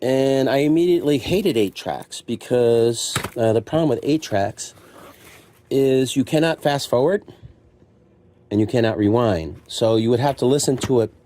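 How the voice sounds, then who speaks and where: A middle-aged man with a relaxed, mellow voice at an ordinary pitch. He rambles conversationally and pokes fun at himself like a shop owner chatting to viewers. Some background noise and clicking sit behind him. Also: normal speed. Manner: conversational, self-deprecating, acts out imagined remarks. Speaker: secondhand store owner showing stock. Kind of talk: casual, rambling chat to camera.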